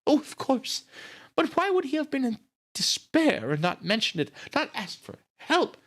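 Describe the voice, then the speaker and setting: A man's voice: extremely high pitch, huge pitch swings, moderate pace, a bit bright, voice pushed up, exaggerated voice. A man voicing a grieving, earnest young woman from a storybook, emotional and pleading. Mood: bewildered, upset.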